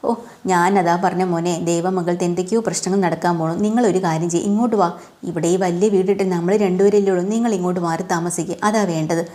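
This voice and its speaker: A woman's voice: fairly low pitch, steady tone, quick pace, mellow, natural voice. A woman voicing a scheming middle-aged father-in-law who coaxes and plots. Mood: coaxing.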